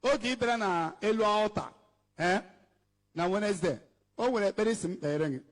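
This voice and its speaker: A man's voice: high-pitched, a little fast. A man with a Nigerian English accent preaching to a congregation as an evangelist, switching between English and Igbo and scolding with emphatic repeated phrases. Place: church hall with an altar. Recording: long hall reverb.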